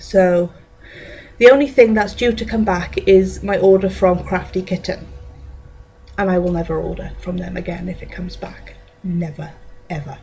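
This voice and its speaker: A woman with an English accent mumbles at a medium pitch, with ordinary pitch variation and big swings in loudness. She leaves long, frequent pauses, and there is noticeable background noise. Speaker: cross stitch vlogger. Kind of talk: casual vlog chat. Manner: fast; mumbling.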